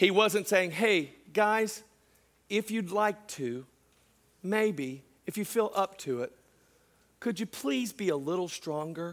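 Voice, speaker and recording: Speaking at a very slow pace with long, frequent pauses, a man uses a high pitch and lively intonation in a slight Southern US accent. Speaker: pastor. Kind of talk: sermon. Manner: hesitant, fillers.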